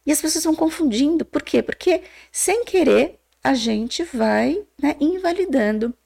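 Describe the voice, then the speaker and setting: A Brazilian woman psychologist talks as a podcast guest, her fairly high voice swooping up and down as she explains. There is a gravelly fry under her words, and she keeps checking in with her listeners with short questioning tags. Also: measured pace. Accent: Brazilian Portuguese. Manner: animated, acts out quoted voices, many "né?" tags.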